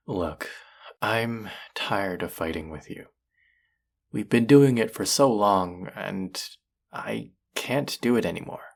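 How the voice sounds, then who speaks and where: A man playing a young chef in an intimate audio roleplay, a combative, exasperated rival with an earnest, tender side and a gravelly, halting delivery. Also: low voice, exaggerated voice. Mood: apologetic, weary.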